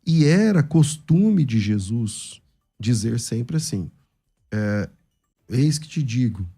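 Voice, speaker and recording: A man's voice: mid-range voice, very animated, slow pace, dark tone, slightly rough. A man arguing his side in a theological debate, emphatic and argumentative. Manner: emphatic, argumentative, acts out quoted speech.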